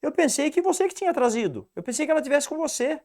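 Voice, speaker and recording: A man doing a squeaky flustered Batman. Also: very animated, quick pace, a little mellow, full character voice. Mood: confused. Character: flustered Batman, adult man, caught off guard.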